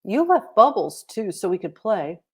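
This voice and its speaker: A woman voicing an earnest, curious young girl in a children's storybook, with a childlike, expressive manner. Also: medium pitch, measured pace, breathy edge, voice pushed up, full character voice. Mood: eager, earnest. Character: earnest, curious young girl who loves her cat. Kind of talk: children's storybook read-aloud.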